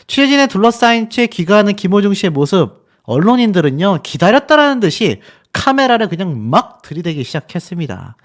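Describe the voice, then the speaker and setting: A man delivering opinionated news commentary as a YouTuber, indignant and emphatic, firing rhetorical questions at his audience. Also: high-pitched.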